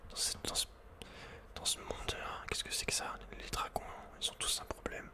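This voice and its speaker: A man gives casual, slangy ASMR gameplay commentary in a breathy whisper, muttering to himself close to the microphone. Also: normal speed. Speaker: ASMR video game streamer.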